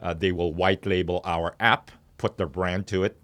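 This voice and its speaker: A man speaking as a company founder and interview guest in a studio, explaining in a halting way as he pieces his thoughts together. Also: sits low, steady tone, fairly bright tone. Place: podcast studio.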